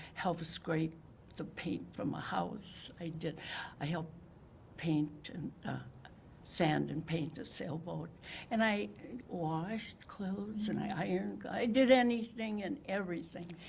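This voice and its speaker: Amid noticeable background noise and audible room echo, a woman speaks at a fairly low pitch and a fairly slow pace, with very wide pitch swings and long, frequent pauses. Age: 80s+. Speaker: author and motivational speaker. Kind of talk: casual chat.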